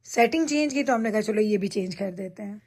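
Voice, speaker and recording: At night in her bedroom, a woman vlogger gives her viewers a room tour on a handheld phone. Her medium-pitched voice is brisk, darkish, and a little rough, with lively intonation. She chats casually, addressing the audience directly as she shows off her things.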